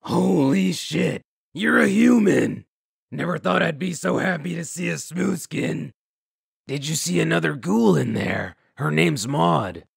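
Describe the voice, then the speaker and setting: A man voicing a weary, bitter, self-deprecating ghoul scavenger in a video game, raspy and gravelly, with grudging, halting delivery. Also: fairly high pitch, lively intonation, dry recording, clean studio sound, pitched above the performer's own voice, exaggerated voice. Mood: shocked relief. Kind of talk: video game dialogue acting.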